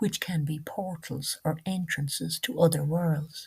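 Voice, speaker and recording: Somewhat breathy speech with an Irish accent at a fairly slow pace. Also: woman. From Ireland. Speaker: painter. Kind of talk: ghost story narration.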